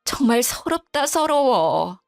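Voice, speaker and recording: A woman voicing a sulky, sharp-tongued widowed older mother-in-law who grumbles bluntly and pities herself. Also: high-pitched, very animated, slow pace, vocal fry, faint music behind, full character voice. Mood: indignant. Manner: blunt, grumbling, self-pitying.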